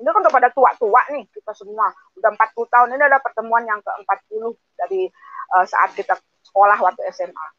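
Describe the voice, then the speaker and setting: A woman in her fifties telling a personal testimony in speech, animated and often acting out quoted dialogue in a higher voice. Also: quick pace, dry recording, muffled recording. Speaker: guest sharing a testimony.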